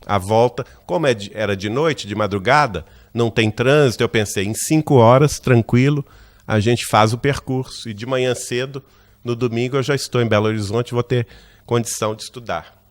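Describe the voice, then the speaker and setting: A man with a Brazilian Portuguese accent from Minas Gerais gives a talk as a lecturer at a spiritist center. He tells a personal anecdote with lively energy and keeps asking his listeners "né?" His voice sits at a middling pitch. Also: moderate pace. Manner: lively narrator who acts out quoted dialogue, often asks "né?".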